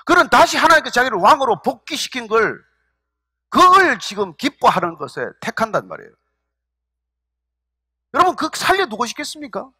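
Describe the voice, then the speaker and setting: High, lively male pastor preaching. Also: moderate pace, long pauses, breathy edge, no echo, studio quality. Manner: animated storytelling, acting out quoted speech. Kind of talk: sermon.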